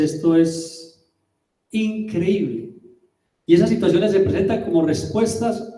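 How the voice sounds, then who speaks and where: Warm man preaching, roomy and distant. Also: high voice. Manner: emphatic preaching with rhetorical questions and drawn-out words. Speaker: pastor. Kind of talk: sermon.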